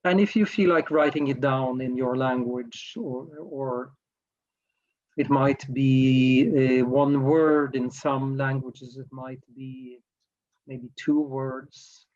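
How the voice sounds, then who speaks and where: Here a man from Norway, whose first language is Norwegian, guides a workshop with slow, hesitant reflection, often pausing to find words. He speaks slowly and steadily in a mid-range, darkish voice, with the high frequencies cut off.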